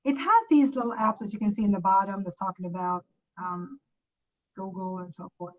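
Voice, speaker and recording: Swedish-accented woman, casual presenter, mid-pitched, dull call audio. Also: a little fast. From Sweden. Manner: chatty, loose, frequent self-corrections. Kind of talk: casual screen-share app demo.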